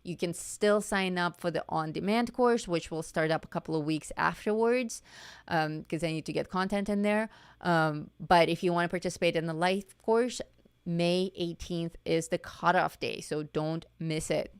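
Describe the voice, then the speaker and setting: A woman leads a live-stream coloring lesson, chatting casually at a moderate pace while restarting, self-correcting and repeating her words. Her slightly low voice has a gravelly fry and is growing hoarse, though it remains smooth and clear, and the close, dry recording has no echo.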